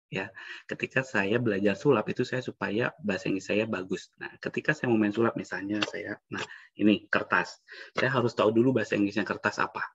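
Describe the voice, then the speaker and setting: Chatty male webinar presenter, low husky voice, muffled video-call sound. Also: fairly bright tone, dry recording. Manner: chatty, acts out example dialogues. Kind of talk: casual online teaching talk.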